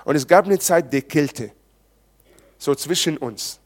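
A man's voice: fairly high pitch, a little slow. A man preaching in church in a conversational way, asking the congregation questions. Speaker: pastor. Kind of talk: sermon. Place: church service.

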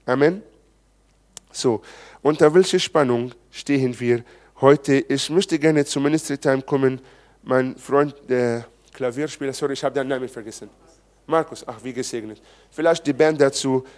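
A man's voice: mid-range voice, moderate pace, a little mellow. A man preaching in church in a conversational way, asking the congregation questions. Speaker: pastor. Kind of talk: sermon. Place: church service.

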